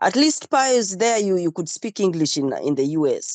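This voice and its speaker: The speaker has a Kenyan accent and very wide pitch swings at a moderate pace. The sound is dry and close, with no echo. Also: woman. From western Kenya (Mumias). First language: Luhya. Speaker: guest. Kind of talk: casual interview.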